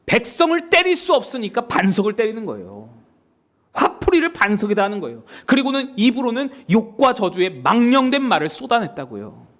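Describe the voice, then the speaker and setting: A male pastor preaching a sermon, telling stories in an animated way and acting out the people in them. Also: high voice, fairly quick. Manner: animated storytelling with acted quotes.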